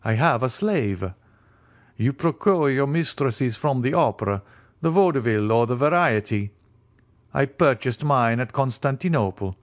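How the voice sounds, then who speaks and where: A man's voice: mid-range voice, animated, measured pace, pitched above the performer's own voice, lightly acted. A mysterious, self-assured count, played by a male audiobook reader, speaks in a raised voice. His phrasing is formal and precise, with the lofty composure of an aristocrat. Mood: lofty, calm. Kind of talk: audiobook character dialogue.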